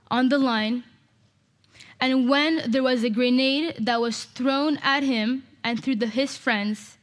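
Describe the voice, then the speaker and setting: A woman from Canada giving an impassioned, emphatic public talk to an audience. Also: high voice. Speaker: speaker.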